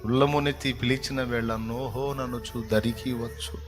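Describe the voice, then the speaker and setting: A man preaching a sermon emphatically, swinging between loud cries and hushed intensity. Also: medium pitch, steady tone, moderate pace, music in the background.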